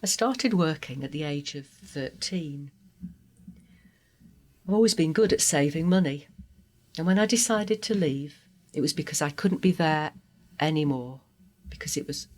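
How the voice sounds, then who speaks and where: A trans woman from Guatemala, a native Spanish speaker, telling her life story in an interview with an earnest, heartfelt, measured manner. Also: low voice, a little mellow. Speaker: interview guest. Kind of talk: personal testimony interview.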